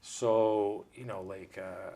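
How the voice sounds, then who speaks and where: A man's voice: lowish voice, fairly even intonation, slow, mellow. A man in his forties whose first language is Italian, telling rambling stories as a guest musician in a casual interview. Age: 40s. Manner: chatty, rambling storyteller.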